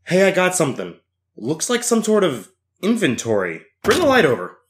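A man's voice: high voice, huge pitch swings, moderate pace, very noisy. A man voicing a hesitant, nervous young man in an amateur audio drama. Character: jittery young man in the group.

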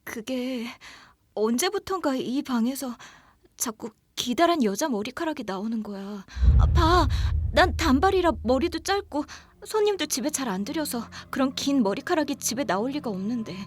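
An actress playing an anxious young woman confiding in a friend, in horror audio drama dialogue with a hesitant, halting delivery. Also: sits high, lively intonation, slight background noise. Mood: hesitant, fearful. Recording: background music under the voice.

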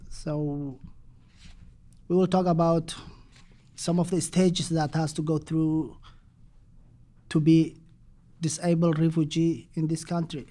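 Slow, dark-voiced man from Somalia. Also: fairly high pitch, level tone. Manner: halting second-language English with restarts. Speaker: panel presenter. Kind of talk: panel presentation.

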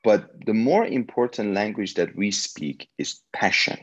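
A man whose first language is Farsi, giving an energetic, motivational talk to students as a guest speaker on a video call. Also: on the low side, a little slow, dull audio. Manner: energetic and motivational, with frequent restarts.

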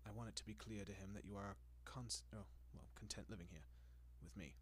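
A man voices a vampire centuries old, his voice fairly low and husky with a steady tone. Refined and courteous, he coaxes softly, lingering in his pauses, sounding doting and pleased in a possessive way typical of intimate roleplay audio.

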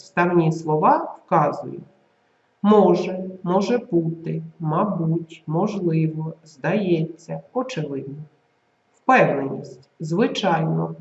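A language teacher narrating a scripted video lesson, reading word lists slowly and clearly with marked intonation. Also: medium pitch, a little mellow. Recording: echoey room, dull lo-fi recording.

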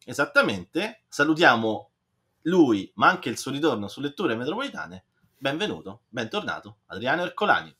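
A man's voice: mid-range voice, big pitch swings, normal speed, pushed and bright, slightly rough. A middle-aged man hosting a culture show over a video call, enthusiastic and emphatic. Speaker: host of a book and culture show. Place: indoors, home room with bookshelves. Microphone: webcam video call, at desk distance.

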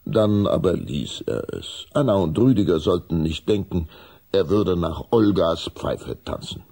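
Deep, gravelly man narrating a story. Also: sing-song, measured pace, mellow.

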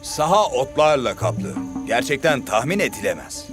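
A man's voice: medium pitch, big pitch swings, normal speed, lightly acted. A man voicing an earnest young male football star in a cartoon dub. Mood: wary. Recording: music behind the voice.

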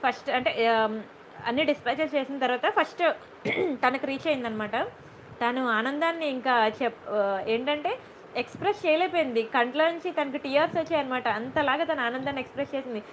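A woman's voice: high-pitched, a little fast, slight background noise, low-quality recording. A woman hosting a chatty live jewellery sale, greeting viewers by name and checking in with them often as she slips English words into her speech. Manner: mixes English words and phrases into her Telugu. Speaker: jewellery seller on a live stream. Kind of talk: chatty live sales stream.

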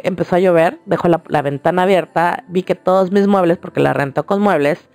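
A woman's voice: fairly low pitch, vocal fry, a little mellow, no echo. A woman with a Mexican accent, hosting a radio show and chatting casually, telling a long personal story straight to her listeners. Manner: chatty, colloquial, addresses listeners directly.

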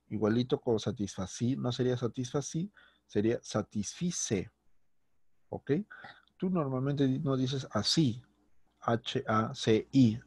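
A man's voice: lowish voice, gravelly, darkish tone, husky, no echo. A male teacher giving a grammar lesson with a Peruvian Spanish accent, patient and repetitive, often checking in with his students. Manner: patient, repeats words and checks with "¿ok?" and "¿listo?".

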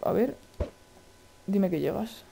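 A man with a Spain Spanish accent giving casual, excitable gameplay commentary, chatty and full of exclamations. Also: sits high, slow, vocal fry, a little hiss or hum. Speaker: gaming video host.

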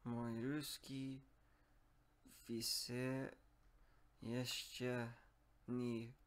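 A man whose first language is English practises speaking, slowly and haltingly, repeating words at his computer. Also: mid-range voice, flat delivery, slight background noise. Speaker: language learner.

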